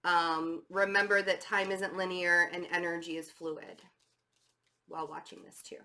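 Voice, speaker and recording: Hoarse, stuffy-voiced woman tarot reader. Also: fairly low pitch, flat delivery, a little slow, bright, forceful tone. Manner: chatty, many fillers and restarts. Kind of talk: casual tarot reading.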